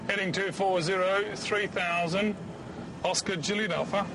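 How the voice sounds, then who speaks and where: A man playing an airline pilot, giving clipped procedural readbacks and callouts in the cockpit. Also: normal speed. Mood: composed, businesslike. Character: composed male airline pilot working in the cockpit. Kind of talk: terse procedural radio readbacks and checklist callouts. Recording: noisy aircraft cockpit, steady engine rumble.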